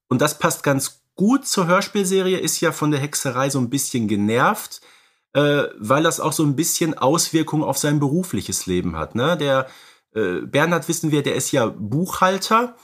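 A man's voice: medium pitch, a bit bright. A young adult man co-hosting a podcast, casually explaining films and often checking for agreement with little tag questions. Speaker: podcast co-host. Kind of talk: casual film discussion.

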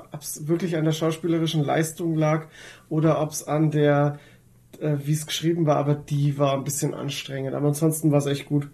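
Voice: mid-range voice, darkish tone. A podcast co-host, chatting casually and often groping for words while reviewing series.

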